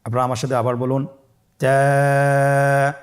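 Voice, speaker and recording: A man's voice: medium pitch, lively intonation, moderate pace. A man with a Bangladeshi Bengali accent, teaching Quran reading step by step, patiently repeating each letter for the viewer to echo. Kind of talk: step-by-step Arabic letter lesson.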